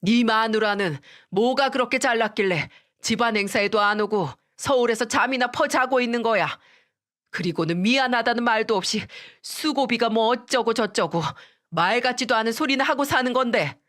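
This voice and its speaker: Enraged old father-in-law played by a woman narrator, raised and shouting; radio story. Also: a little high, moderate pace, voice pushed up, close to an everyday voice. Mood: furious. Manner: shouting, furious. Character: furious hot-tempered older father-in-law.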